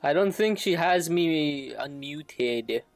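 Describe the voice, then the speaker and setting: A man casually commentates a game livestream, thinking aloud in a slow, rambling way. His language gets salty. The sound is dry, with music playing behind him. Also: on the high side, expressive, no echo. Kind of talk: casual gaming stream commentary.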